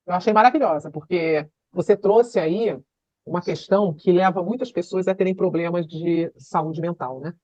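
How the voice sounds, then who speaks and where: A class participant gives appreciative feedback, thinking aloud and pausing on fillers. The audio is dull and lo-fi, with a dry sound and no room echo. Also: medium pitch, darkish tone. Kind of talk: casual comment in an online class.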